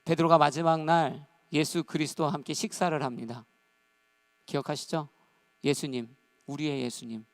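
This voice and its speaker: A man preaching a sermon as pastor, with a somewhat high, gravelly voice. He is animated and acts out the voices in his stories. The sound is dry and close, with a low mains hum behind it. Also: moderate pace, no room sound.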